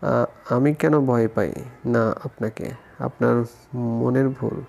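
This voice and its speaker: A man reading the lines of a shy but feisty young woman in a romance audio story, with indignant, stammering retorts in a gravelly voice. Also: mid-range voice, level tone, measured pace, mellow.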